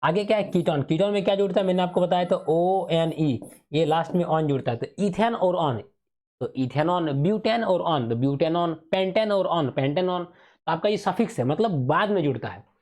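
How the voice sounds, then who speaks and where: A man's voice: high-pitched, expressive, normal speed, a little mellow. A male teacher giving an exam revision lesson in speech, who keeps asking questions and answering them himself, repeating the key terms.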